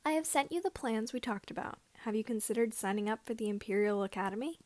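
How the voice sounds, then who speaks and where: A woman's voice: fairly high pitch, animated, quick pace, darkish tone, dry recording, natural voice. A woman voicing a standoffish, formal male military pilot in a story, speaking tersely. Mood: businesslike.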